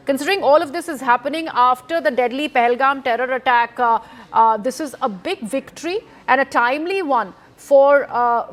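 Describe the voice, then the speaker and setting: A woman with an Indian accent anchoring live television news, recapping details and putting questions to a reporter. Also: high voice.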